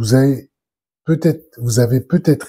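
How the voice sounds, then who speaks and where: A man speaks at a moderate pace with a dark, mellow tone and ordinary pitch variation, sounding somewhat breathy. The recording is very clean with a silent background and a dry, close sound with no echo. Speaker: spiritual guidance reader. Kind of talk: oracle card reading. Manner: hesitant, many fillers.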